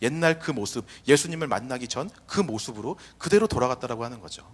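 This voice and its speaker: Young Korean-speaking pastor with lively, echoing delivery. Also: male voice, mid-range voice, quick pace. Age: young adult. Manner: acts out imagined quotes in varied voices. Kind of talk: sermon. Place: church sanctuary. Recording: long hall reverb.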